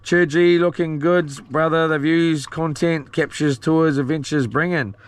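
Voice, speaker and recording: A man's voice: on the high side, steady tone, a little slow, smooth. A man with a broad New Zealand accent, chatting casually on a live stream in a slangy, matey, rambling way. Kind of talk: casual live-stream chat, reading out and answering viewer comments.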